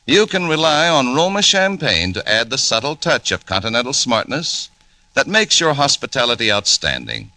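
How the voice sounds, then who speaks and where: A man's voice: mid-range voice, sharp tone, no echo. Polished 1940s radio announcer man. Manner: polished, persuasive salesmanship.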